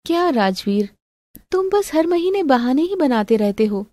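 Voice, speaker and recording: A woman's voice: high-pitched, very animated, a little slow, dark tone, no room sound, clean studio sound, voice pushed up. A woman voicing a spoiled, demanding, pouty young girlfriend in an acted family drama story. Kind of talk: melodramatic audio story acting.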